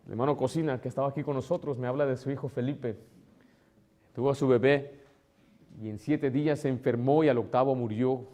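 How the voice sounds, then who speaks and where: A man preaching a sermon as pastor, emotional, moving between loud exclamations and soft, tender asides, sometimes acting out relatives in a higher tone. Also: steady tone, a little fast. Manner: acts out voices of relatives in a higher tone.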